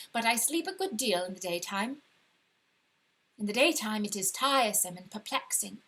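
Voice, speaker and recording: A woman with a British accent playing an obsessive, secretive Victorian wife slipping into madness, confiding intensely in a dramatic story reading. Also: a little high. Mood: eager, secretive. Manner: confiding, intense, with sudden hushed emphasis. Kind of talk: dramatic first-person short story reading. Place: live reading over video call.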